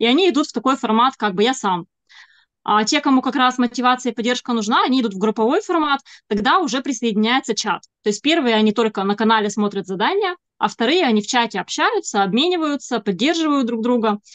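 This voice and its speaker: Over a quiet background, the speaker talks at a very fast pace with lively intonation. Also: woman, high pitch for a woman. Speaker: decluttering coach and marathon host; decluttering coach, marathon host. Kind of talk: interview. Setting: video call. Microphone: webcam.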